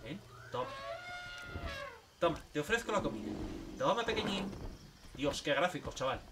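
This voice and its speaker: A man streaming a zoo game, chatting casually and coaxing the animals in a playful, excitable way. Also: a little high, brisk, far from the mic, background noise. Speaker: gameplay streamer. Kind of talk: casual gameplay commentary.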